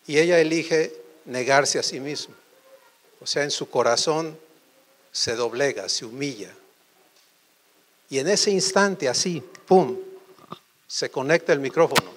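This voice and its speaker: A man preaching a sermon, asking the congregation quick questions. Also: on the high side. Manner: animated, quizzes the audience with quick questions.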